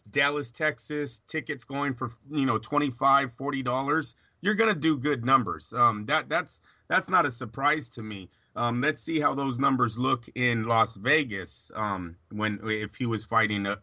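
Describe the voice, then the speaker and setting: A man talking boxing in a casual chat, opinionated, in quick bursts with fillers and restarts. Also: medium pitch, sharp tone. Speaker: boxing pundit.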